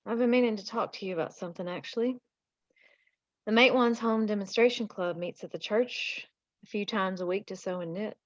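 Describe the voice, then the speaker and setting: A woman's voice: medium pitch, brisk, dry recording, dull audio, natural voice. A woman playing a folksy, chatty married townswoman from a mining town in a screenplay table read. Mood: friendly.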